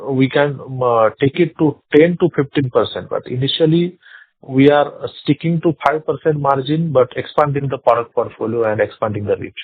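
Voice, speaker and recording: A man with an Indian accent speaking as a company executive, answering investor questions in a halting, repetitive way over a phone conference call. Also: medium pitch, slightly rough, no room sound. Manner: halting, repeats words and phrases. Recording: narrow, tinny phone-line sound.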